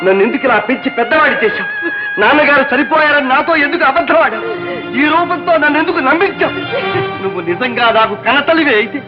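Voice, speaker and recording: A man's voice: very high-pitched, lively intonation, quick pace. An actor playing a young man who confronts his mother in anguish and anger, in an old film melodrama. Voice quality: anguished, shouting. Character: young man, betrayed and furious son. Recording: dull old film soundtrack with music.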